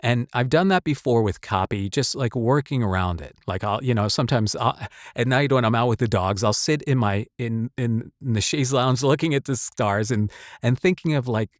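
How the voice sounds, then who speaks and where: A man's voice: medium pitch, normal speed, no echo. Emphatic man talking casually, very dry sound. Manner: emphatic, rambling, conversational. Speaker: voice actor giving advice. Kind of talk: casual advice talk to camera or mic.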